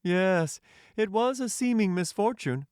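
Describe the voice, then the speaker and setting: A man's voice: sits high, animated, a little slow, a little mellow, clean tone, no room sound, studio quality, voice pushed up. A man voicing a proud, courtly tin man emperor who tells stories in formal, grand storybook language, cheerfully pleased with himself. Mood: earnest, cheerful. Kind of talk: audiobook character voice.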